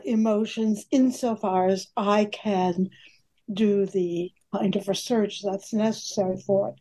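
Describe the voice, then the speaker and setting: An older woman speaks as an academic guest in an interview. Her voice is mellow and middling in pitch, and she pauses and rephrases as she goes. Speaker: history professor, interview guest. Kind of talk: conversational interview.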